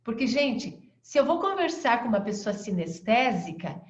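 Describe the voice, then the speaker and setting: A woman with a Brazilian accent teaching an online class, acting out fast, slow and melodic ways of speaking as examples. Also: big pitch swings. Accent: Brazilian Portuguese. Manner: demonstrates voice tones, shifting pace and pitch. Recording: echoey, dull lo-fi sound.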